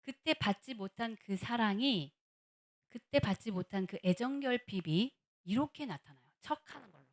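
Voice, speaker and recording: A woman's voice: on the high side, animated, normal speed. A woman giving a church lecture on counseling psychology. She asks the audience questions and acts out what other people say.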